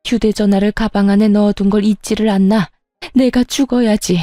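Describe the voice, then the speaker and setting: A woman's voice: fairly low pitch, normal speed, dark tone, dry recording, clean studio sound, faint music behind, close to an everyday voice. Woman playing a spiteful scheming mother-in-law. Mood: fake wailing. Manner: mocking, then falsely wailing.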